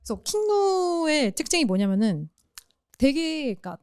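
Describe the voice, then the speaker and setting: Lively explaining woman, dry mic. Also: high-pitched, moderate pace, no room sound. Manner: explanatory, animated, imitates sounds. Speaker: podcast co-host explaining music. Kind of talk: casual chat.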